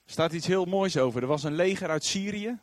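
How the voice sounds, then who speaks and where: Male preacher, animated storyteller, high-ish and very lively pitch, dry close sound. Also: brisk, dry recording. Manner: animated storytelling, acting out quoted voices. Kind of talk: sermon.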